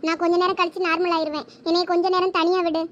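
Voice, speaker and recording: A woman voicing a high, tearful cartoon girl. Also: level tone, racing. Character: tearful teenage girl Saranya, lovesick. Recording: dull lo-fi sound with faint noise.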